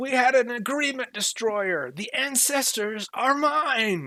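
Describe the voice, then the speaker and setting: In a put-on character voice, someone shouts in a shrill, fairly high, angry tone at a fairly slow pace. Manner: screaming, angry.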